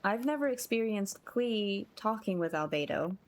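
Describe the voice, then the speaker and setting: A woman's voice: medium pitch, lively intonation, normal speed. A woman livestreaming a game, chatting casually and gushing in a friendly way to her viewers. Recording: game music behind the voice.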